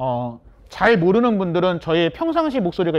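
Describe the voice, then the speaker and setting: A high-pitched male voice at a moderate pace, swinging very widely in pitch. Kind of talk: lecture. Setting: tent lecture for volunteers. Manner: loud.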